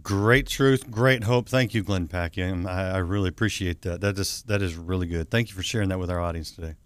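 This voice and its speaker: Male host, low voice, chatty, restarts, dry studio. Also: brisk, clean tone, dry recording. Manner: easygoing, chatty, stumbles into restarts. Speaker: talk show host. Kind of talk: casual interview hosting.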